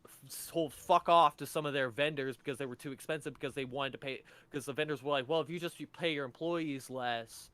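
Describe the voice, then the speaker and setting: A man's voice: medium pitch, fairly quick, a bit bright, clean tone. A young man in a casual, joking, profane podcast chat, reading quiz statements aloud and riffing on them. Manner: laid-back, profane, joking. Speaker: podcast co-host.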